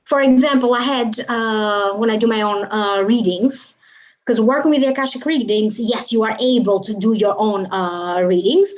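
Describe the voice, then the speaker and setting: A woman's voice: fairly high pitch, moderate pace. A woman from Albania, talking casually on a live stream as a psychic reader, rambling with many fillers and trailing phrases. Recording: dull lo-fi live stream audio.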